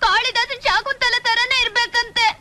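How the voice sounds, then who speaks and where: A woman's voice: extremely high pitch, fairly even intonation, moderate pace, heavy background noise. An actress playing a naive young village girl who talks in a childlike, pleading way. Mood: earnest.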